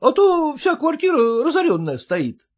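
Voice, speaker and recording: A reedy, high-pitched penny-pinching clerk, servile and fussy, bowing and scraping with every reply, as a male storyteller puts him on. His voice hops up and down in eager, nervous lilts. He mutters his answers, ever deferential, in a storybook reading. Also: wildly swooping pitch, measured pace, heavily acted. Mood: fawning. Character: fussy, stingy, obsequious male clerk, son-in-law.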